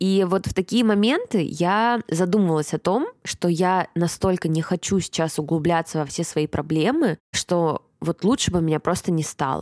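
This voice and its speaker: A woman with an unremarkable speaking voice, fairly low in pitch, talks at a moderate pace with very even loudness and ordinary pitch variation, on a very clean, dry, close recording with no echo and a silent background. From Moscow, Russia. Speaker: podcast host. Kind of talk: casual Q&A monologue.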